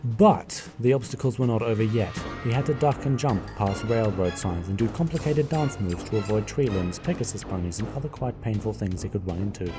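A man's voice: on the low side, fairly quick, hardly any pauses, over music. Man narrating with wry humor. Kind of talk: fan radio play narration.

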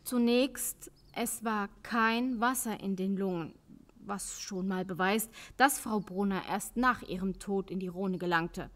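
Woman acting as weary female pathologist for crime audio drama: precise, matter-of-fact, mid-pitched. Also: measured pace, close to an everyday voice. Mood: clinical. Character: tired, brisk female forensic pathologist.

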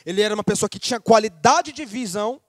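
High-voiced man preaching a sermon. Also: quick pace, dry recording, studio quality. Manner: lively preaching, speaks straight to the congregation.

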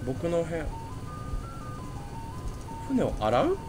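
A man's voice: on the high side, huge pitch swings, drawn-out words, darkish tone, soft background music. A young man, chatting animatedly to viewers while playing a horror game. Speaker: gaming channel host. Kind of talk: horror game let's play commentary.

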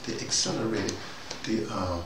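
An older man with a gravelly voice giving a rambling, conversational spoken commentary, circling back and repeating words as he goes. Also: fairly low pitch, normal speed. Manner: digressive, repeats words, conversational, animated asides. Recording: roomy, distant mic, noticeable background noise.

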